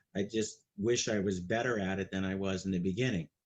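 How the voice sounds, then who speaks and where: In an American accent, a man talks at a fairly slow pace with fairly even intonation. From New Jersey, US. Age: 50s. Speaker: insurance agent. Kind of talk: interview conversation.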